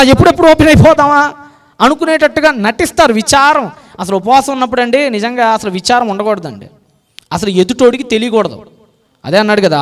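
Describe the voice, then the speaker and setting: A man preaching a sermon, animated, shifting between loud emphasis and hushed quoted prayers. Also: extremely high pitch. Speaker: pastor.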